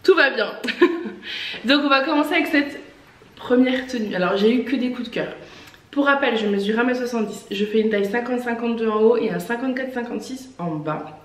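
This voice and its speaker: A woman's voice: on the high side, a little fast, roomy sound. A woman who owns a clothing shop, chatting casually in a try-on vlog, her voice congested from a lingering cough, with many fillers and eager praise for outfits. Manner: chatty, filler-heavy, enthusiastic about outfits. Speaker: online clothing shop owner. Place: indoors, in front of a mirror.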